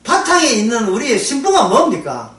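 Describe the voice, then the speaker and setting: Lively preacher in an echoey room. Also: male voice, very high-pitched, moderate pace. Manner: lively, conversational, laughing often, acting out prayers. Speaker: pastor. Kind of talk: sermon lecture. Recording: echoey room, voice from far off the mic.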